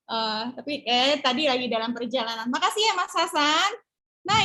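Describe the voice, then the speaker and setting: A middle-aged woman trainer talking through a student's question in an online class. Her voice sits high, and she keeps things encouraging, tagging "ya" onto her sentences as she explains. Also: a bit bright, low-quality recording. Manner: encouraging, peppers speech with "ya". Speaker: public speaking trainer.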